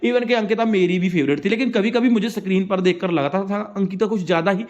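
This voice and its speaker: A man's voice: sits high, quick pace. A man giving a casual, opinionated recap of reality-show gossip, chatty and often correcting himself mid-sentence. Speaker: entertainment news commentator.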